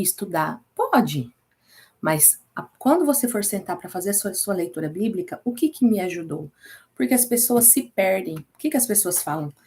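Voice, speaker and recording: A Brazilian woman with a mellow, warm, medium-pitched voice and a Brazilian Portuguese accent leads a relaxed Bible study in a casual recorded class. She's chatty and checks in with her listeners often.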